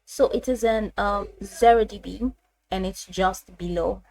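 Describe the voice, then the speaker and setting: A woman with a mid-range voice hosts a software tutorial. She explains each step casually and haltingly, often circling back to repeat a phrase before moving on. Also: mid-range voice, vocal fry.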